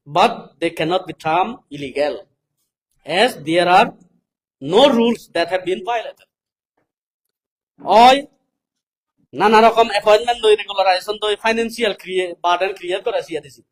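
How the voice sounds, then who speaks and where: Man, South Asian accent, high voice, political speech, deliberate explanatory delivery. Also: rough recording. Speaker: political party speaker. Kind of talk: public address, reading English passages and explaining them.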